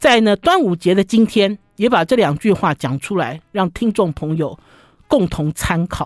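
With lively intonation at a medium pitch, a woman talks in an unremarkable speaking voice, the sound dry and close with no echo. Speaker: radio host. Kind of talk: radio food talk show monologue. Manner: chatty with many fillers.

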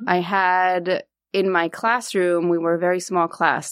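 In a very clean recording with a silent background, a woman with an American accent speaks at a moderate pace. She has a plain, everyday voice with a fairly low pitch. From Israel and France, then US. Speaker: guest who helps schools with mindfulness practices. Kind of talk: casual interview chat.

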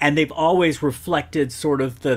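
On a very clean recording with a silent background, a man with an American accent speaks at a fairly high pitch in a bright, sharp tone, with ordinary pitch variation and a fairly slow pace. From Washington DC. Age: 50s. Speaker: music scholar and writer. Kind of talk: casual chat.

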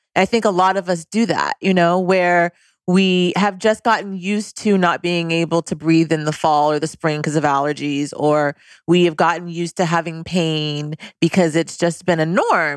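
Using a plain, everyday voice, a woman speaks at a fairly low pitch and moderate pace with fairly even intonation. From Southern California. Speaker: Chinese medicine doctor. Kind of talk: casual chat. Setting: studio.

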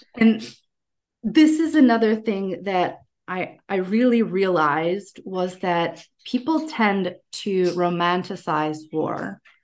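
Against a quiet background, a woman speaks very slowly at medium pitch with lively intonation. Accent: American. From United States. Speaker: life coach and army veteran. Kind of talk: casual chat.

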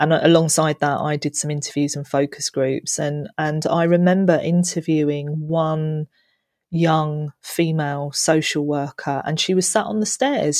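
In a British accent, a woman with a very deep, low pitch talks at a moderate pace with fairly even intonation on a very clean recording with a silent background. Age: 40s. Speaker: occupational psychologist and coach. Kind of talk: interview conversation. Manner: hesitant with false starts.

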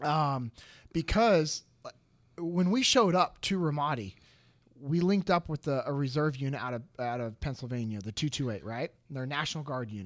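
A man speaks at a moderate pace with lively intonation. His pitch is fairly high, in a plain, everyday voice. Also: very clean recording, silent background. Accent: American. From US West, Sacramento, California. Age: 30s. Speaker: former Navy SEAL, leadership consultant. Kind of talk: casual interview, war stories. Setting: studio.

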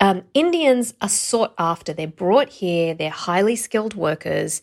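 A woman with a medium-pitched voice talks at a very slow pace with lively intonation, on a very clean recording with a silent background. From Australia. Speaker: immigration reporter. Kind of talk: interview. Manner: halting, many fillers.

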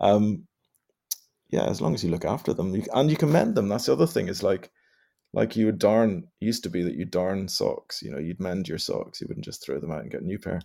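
Fairly low, dark and mellow male voice with vocal fry, lively intonation and a fairly quick pace, in a Northern Irish accent. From Northern Ireland. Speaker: weaver. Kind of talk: casual chat. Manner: halting.

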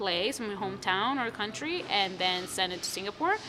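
The speaker has a Spanish accent and talks at a fairly quick pace. Music plays in the background. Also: woman. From Ecuador. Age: 20s. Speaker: actor and playwright. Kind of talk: interview.

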